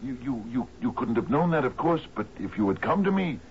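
An actor playing a grief-stricken sea captain in a 1970s radio drama, halting and repeating his words in disbelief. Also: medium pitch, big pitch swings. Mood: shocked, anguished. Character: grief-stricken male sea captain, devoted widower, anguished and commanding. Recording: dull noisy vintage radio broadcast.

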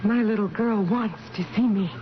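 A woman's voice: medium pitch, normal speed, noisy background, close to an everyday voice. An actress in a radio drama playing a frail, anguished middle-aged mother in a dreamy, yearning monologue. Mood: tender wonder. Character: frail, sick, anguished mother pleading with her own mother. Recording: dull lo-fi radio broadcast, music underneath. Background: music.

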